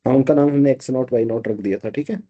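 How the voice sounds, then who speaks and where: A man's voice: medium pitch, fast, warm tone, breathy edge, lo-fi sound. A man teaching a live online math class, explaining step by step and often checking that students follow. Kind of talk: live online math lecture, Hindi-English mix.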